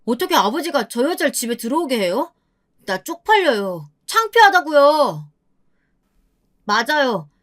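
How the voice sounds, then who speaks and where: A woman playing an indignant teenage boy who stands up to his grandmother and insists she apologize. His voice is pitched high and pushes each demand with stubborn force. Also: a bit bright. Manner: protesting, insistent.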